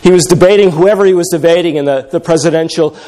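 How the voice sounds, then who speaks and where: Middle-aged man, pastor; high-pitched, sermon delivery, wry anecdotal humor. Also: quick pace. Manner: animated storytelling with wry humor.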